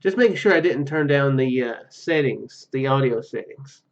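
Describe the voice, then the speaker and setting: A man hosting a gaming video, commenting casually and reading game text aloud in a halting, rambling way. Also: mid-range voice, lively intonation, dull audio.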